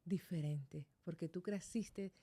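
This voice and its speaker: A woman's voice: fairly low pitch, slow, dark tone, breathy edge. Effusive woman hosting Christian radio. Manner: effusive, repeating blessings and exclamations. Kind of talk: radio interview. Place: radio studio.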